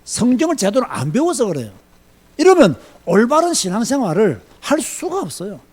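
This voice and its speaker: A man's voice: very high-pitched, wildly swooping pitch, normal speed, a little mellow, slightly rough. A man pastor giving an emphatic sermon-style Bible lecture, firing rhetorical questions and repeating key points.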